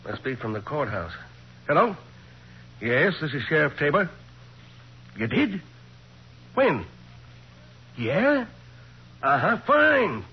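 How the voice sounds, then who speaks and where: An actor playing a folksy, cocksure small-town sheriff with blunt colloquial speech in a 1940s radio crime drama. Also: male voice, a little high, sing-song, slow, long pauses, breathy edge, full character voice. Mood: folksy, confident. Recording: muffled, noisy 1940s radio recording.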